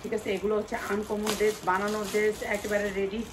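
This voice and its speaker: A woman with a Bangladeshi accent doing an insistent hard-sell live sales pitch for wholesale clothing, repeating key phrases and prices over and over. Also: little pitch movement, fast talker, background noise. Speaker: clothing wholesale seller presenting stock.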